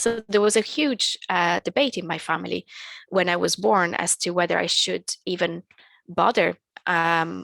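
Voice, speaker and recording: In an Italian accent, a woman speaks with ordinary pitch variation, the sound dry and close with no echo. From Italy, Rome. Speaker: linguist and lecturer. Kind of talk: webinar lecture.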